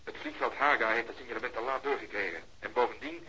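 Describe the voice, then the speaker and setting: Very fast, forceful police detective. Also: male voice, mid-range voice, a little hiss or hum, poor audio. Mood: matter-of-fact. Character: matter-of-fact, gruff male police detective. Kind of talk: radio drama dialogue.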